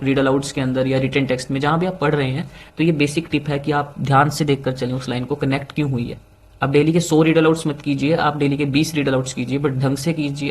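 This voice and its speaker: A man's voice: medium pitch, rough recording. A young man with an Indian accent teaches English exam tips in a casual, chatty way, dropping in "like", "basically" and "right?" as he goes. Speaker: PTE exam tutor. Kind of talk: casual tutorial talk mixing Hindi and English.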